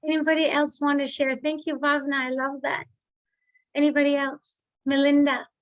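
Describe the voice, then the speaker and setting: A woman with a distinctly high voice leads a training session for coaches. She speaks as a facilitator, putting questions to the group. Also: flat delivery, moderate pace, highs cut off.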